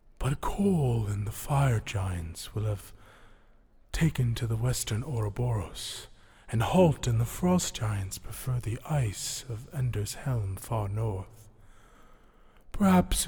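A put-on character voice at a fairly slow pace. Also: man, medium pitch for a man. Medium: actual play.

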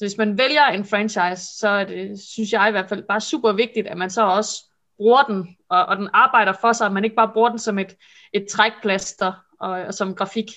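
A woman with a bright, sharp tone and medium pitch speaks at a moderate pace with fairly even intonation over a quiet background. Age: 20s. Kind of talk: casual interview. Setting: video call. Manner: halting, many fillers.

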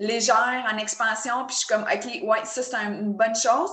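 Noticeable background noise and audible room echo accompany the recording. A woman with a fairly high pitch talks at a moderate pace. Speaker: entrepreneur and wellness coach. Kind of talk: casual interview chat.

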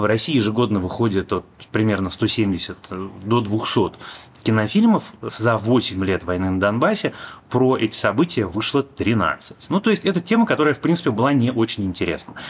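A man with an unremarkable speaking voice talks at a moderate pace in a medium pitch, his intonation lively and his loudness very even. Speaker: film producer. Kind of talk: prerecorded commentary.

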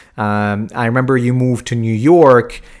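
Intonation stays fairly even. It is a plain, everyday voice. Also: man. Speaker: podcast co-host. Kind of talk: casual interview.

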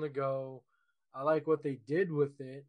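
A man with an American accent speaks at a moderate pace. The background is quiet. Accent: slight Virginia, likened to Jersey. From Virginia, US. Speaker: gamer and streamer. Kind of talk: casual chat.

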